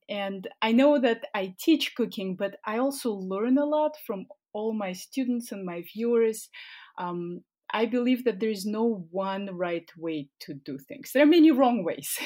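A woman's voice: mid-range voice, a little slow, mellow. A middle-aged woman from Russia with a Russian accent, a cooking teacher talking animatedly in an interview and laughing often. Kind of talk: conversational interview.

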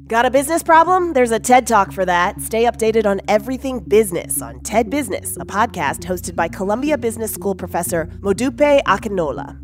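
A woman announcer giving an energetic scripted podcast promo. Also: medium pitch, brisk, few pauses.

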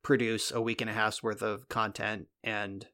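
A man's voice: lowish voice, little pitch movement, normal speed, bright, forceful tone. A man co-hosting a podcast, telling a rambling story in casual chat and swearing now and then, recorded on a podcast mic in a home room. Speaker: podcast co-host. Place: converted guest bedroom at home. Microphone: podcast mic in a home recording space.

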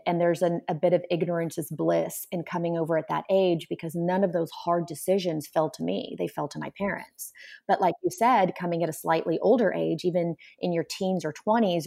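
A woman with a low voice that has a grainy, gravelly texture. Born in Poland, she talks in an easy interview style and tells lively stories, slipping into the voices of the people she quotes. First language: Polish. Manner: animated storyteller, acts out quotes. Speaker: guest. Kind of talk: casual interview conversation.

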